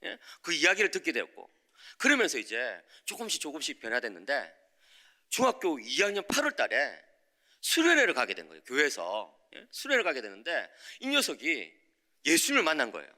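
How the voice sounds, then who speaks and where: A middle-aged man preaching a dawn sermon in a church, telling a personal story with lively acted-out voices and frequent checks with the congregation. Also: on the high side, brisk. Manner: animated, acts out quoted voices, frequent "예?" to the congregation. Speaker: preacher, visiting professor. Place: church sanctuary.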